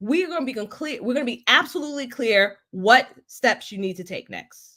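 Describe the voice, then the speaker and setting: A woman's bright, sharp, high-pitched voice with a New York accent, at a moderate pace, with lively intonation and big swings in loudness, in a very clean recording against a silent background. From Jamaica, Queens, New York City. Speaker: speaking coach, former teacher. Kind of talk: live-stream coaching talk. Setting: live stream.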